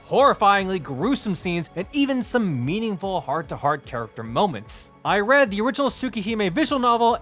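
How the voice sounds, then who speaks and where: A man with a fairly high, very animated voice narrates a scripted review. He leans on key words with dramatic emphasis, his pitch moving up and down freely. Faint music plays behind him. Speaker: video reviewer, host.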